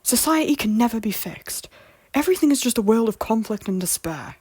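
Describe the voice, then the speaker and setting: A woman playing an embittered, despairing young king in an audio drama, brooding and wounded, with a soft, breathy voice. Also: fairly high pitch, very animated, brisk, dry recording, studio quality. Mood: cynical. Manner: brooding, swings between muted and outbursts. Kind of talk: audio drama acting of a Shakespeare-style story.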